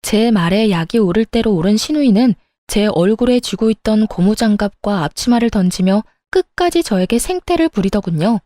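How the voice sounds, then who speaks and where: A woman in her thirties narrating a first-person family story in a calm, matter-of-fact way. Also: medium pitch, normal speed, hardly any pauses, dry recording.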